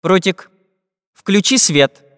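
A man's voice: high-pitched, animated, slow pace, a bit bright, no room sound, clean studio sound, big-room sound, pitched above the performer's own voice, exaggerated voice. A man doing a puffing iron handyman. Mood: earnest. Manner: earnest, puffing. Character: practical iron little handyman.

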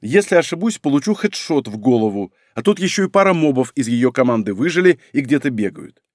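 A man's voice: mid-range voice, sing-song, a little fast, no echo, clean studio sound. A man narrating a first-person audiobook in a wry, conversational way.

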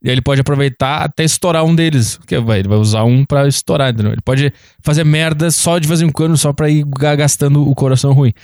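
A man co-hosting a casual comedy podcast, riffing with quick sarcastic jokes. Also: on the high side, a little mellow, dry recording, clean studio sound. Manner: quick, joking, sarcastic riffs. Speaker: podcast co-host.

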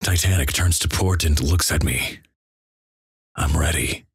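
A man reading internet stories aloud in a deadpan, flat manner. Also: sits low, moderate pace, breathy edge, no room sound, clean studio sound. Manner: deadpan, flat delivery of crude jokes.

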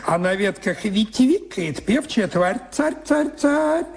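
A man's voice: high voice, expressive, slow pace, vocal fry, breathy edge. A man narrating a folk tale in theatrical, rhythmic verse as a storyteller in a radio play.

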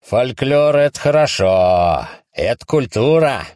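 A man's voice: mid-range voice, expressive, unhurried, a little mellow, dry recording, studio quality, pitched above the performer's own voice, natural voice. A man reading a story aloud, voicing an irritable, hungover man who swears and snaps sarcastically. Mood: sarcastic. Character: irritable hungover man woken at night, foul-mouthed. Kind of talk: audiobook reading.

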